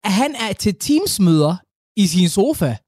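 A young man in casual podcast chat, telling stories in an animated, slangy way with a lot of swearing. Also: high voice, slightly rough, no room sound, clean studio sound. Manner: animated, slangy storytelling with frequent swearing and laughing.

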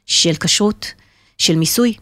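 A woman's voice: lowish voice, fairly bright tone, dry recording. A woman speaking Hebrew with a slight French-sounding lilt, giving emphatic, businesslike answers as an interview guest. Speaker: marketing executive, interview guest.

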